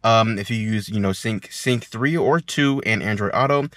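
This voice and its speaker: A man's voice: fairly low pitch, moderate pace, fairly bright tone, no echo, clean studio sound. A man talking casually through a how-to demonstration as a tutorial host, often repeating phrases for emphasis. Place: inside a car.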